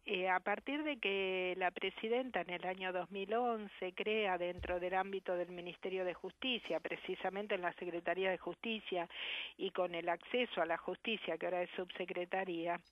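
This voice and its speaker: A woman with an Argentine Spanish accent, a sign language interpreter answering a radio interview in a measured, reflective way over the phone. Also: fairly low pitch, steady tone, no room sound. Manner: measured, reflective, careful diction. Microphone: telephone. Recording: muffled phone line.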